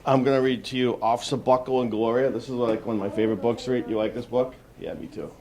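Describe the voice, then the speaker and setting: A man of middle pitch reads a storybook to children and breaks off for chatty, informal asides. It is a live room recording with light noise in it. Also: fast talker, darkish tone. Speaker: police officer reading to children. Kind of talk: casual picture-book reading with asides.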